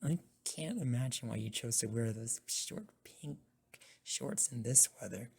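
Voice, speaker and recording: Woman acting as young college boyfriend, low breathy voice, caring, dominant, soothing, ASMR roleplay. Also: animated, a little slow, darkish tone, exaggerated voice. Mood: teasing, affectionate.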